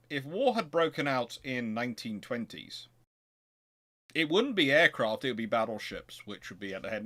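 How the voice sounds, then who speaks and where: A man's voice: mid-range voice, fairly bright tone. A man hosting an informal history question-and-answer livestream, talking in a discursive, rambling way and often restarting his sentences. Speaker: host, naval historian.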